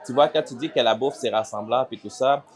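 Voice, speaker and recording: A man hosting a podcast, with a Québécois French accent, telling stories in a relaxed casual way with many restarts. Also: medium pitch, brisk. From Guatemala. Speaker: podcast host. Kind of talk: casual chat.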